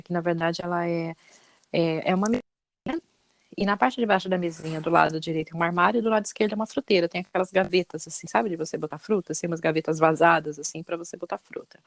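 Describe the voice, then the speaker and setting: A woman hosting a podcast, telling a story in an animated way with many fillers. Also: lowish voice, no echo. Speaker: podcast host. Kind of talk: casual storytelling conversation.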